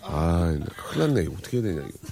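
A man's voice: deep voice, gravelly, a loud crowd. A man hosting a live broadcast, joking and teasing guests in a bantering way. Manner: teasing, joking, fast and animated. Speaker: live show host.

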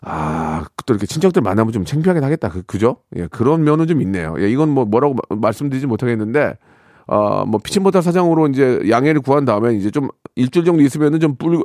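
Middle-aged male radio host, lively up-and-down voice, dry close studio sound, joking, casual chat. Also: medium pitch, dry recording. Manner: chatty, joking, reacts with mock outrage. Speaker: radio host reading listener messages.

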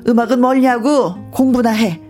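A woman's voice: fairly high pitch, normal speed, warm tone, soft background music, pitched above the performer's own voice, close to an everyday voice. A woman playing a strict, dismissive mother who scolds her daughter. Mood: scolding.

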